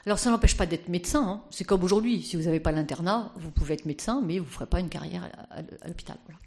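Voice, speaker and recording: A woman's voice: on the low side, quick pace, dark tone. A woman giving an anecdotal conference talk as postulator of a sainthood cause, chatty and full of fillers.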